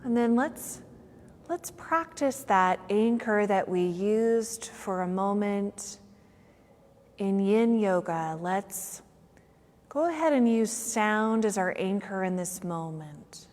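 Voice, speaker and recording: Female yoga instructor for guided relaxation, slow-paced with long pauses, heard in a long, hall-like reverb. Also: medium pitch, a little mellow. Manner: unhurried phrasing with long pauses. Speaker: yoga teacher. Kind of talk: guided meditation.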